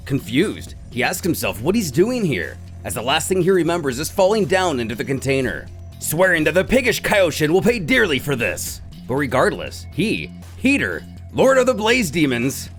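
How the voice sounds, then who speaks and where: With music in the background, a man whose voice sits on the high side and sounds a bit bright delivers a theatrical, suspense-filled recap of a dramatic story.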